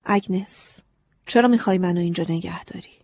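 A woman voicing a scarecrow come to life as a grown man, curt and aloof, in a breathy storybook reading. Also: on the low side, darkish tone, no echo, clean studio sound.

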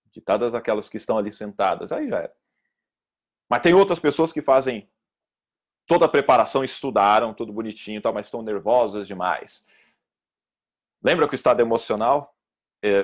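A man gives an informal public speaking lesson. His voice is husky and sits at a middle pitch. He talks emphatically, scolding bad habits and acting out his students. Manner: emphatic, lively, scolding tone, acts out quoted students.

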